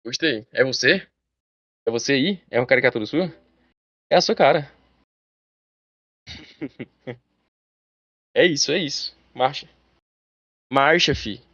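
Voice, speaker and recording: A male teacher giving a live online class, talking fast and chatty, speaking straight to his students. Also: mid-range voice, animated, a bit bright, dry recording, lo-fi sound.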